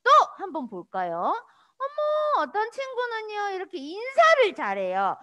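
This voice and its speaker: Woman, children's pastor, very high voice, animated sing-song delivery, church children's sermon. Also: unhurried. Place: church children's worship room.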